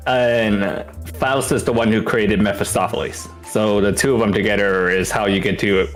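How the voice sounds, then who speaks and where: A man's voice: fairly low pitch, steady tone, normal speed. Man explaining game lore casually. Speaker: co-streamer. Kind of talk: casual livestream chat over a game. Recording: faint game music behind.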